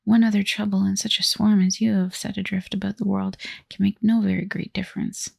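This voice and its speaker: A woman's voice: mid-range voice, flat delivery, fairly quick, darkish tone, no room sound, clean studio sound. Woman whispering as a sullen young boy. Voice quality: breathy whisper. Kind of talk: whispered role-play.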